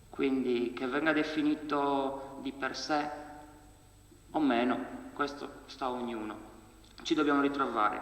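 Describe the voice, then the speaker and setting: Speaking in a monotone, flat way at a fairly slow pace with long, frequent pauses, a man is heard over noticeable background noise and audible room echo. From Sardinia, Sorso. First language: Sorsese (Sardinian/Sassarese variety) (speaking Italian). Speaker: audience member speaking at a conference. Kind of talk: public speech at conference. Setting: university lecture hall. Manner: halting, many fillers.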